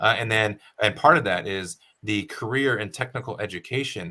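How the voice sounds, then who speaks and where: A man's medium-pitched voice, bright and sharp in tone, on a very clean recording with a silent background. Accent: American. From California Central Valley. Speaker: educator, candidate for county superintendent. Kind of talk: interview. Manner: fast.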